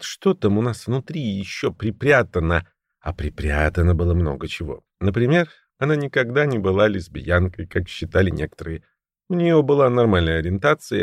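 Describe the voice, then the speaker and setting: A man reads a first-person audiobook story in a wry, ironic tone. His voice sits on the low side. The recording is dry and close, with no room echo. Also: a little mellow. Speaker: narrator.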